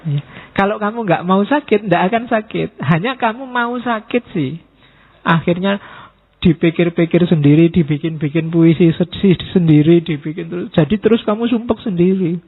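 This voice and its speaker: A man's voice: high-pitched, moderate pace, slightly rough. A man giving a casual, teasing philosophy lecture to students at a mosque. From Indonesia. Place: mosque hall. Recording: tinny phone-like sound.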